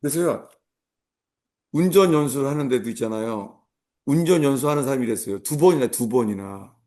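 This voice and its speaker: A middle-aged male pastor giving a sermon, telling a humorous personal story and acting out shouted commands. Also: medium pitch, animated, brisk.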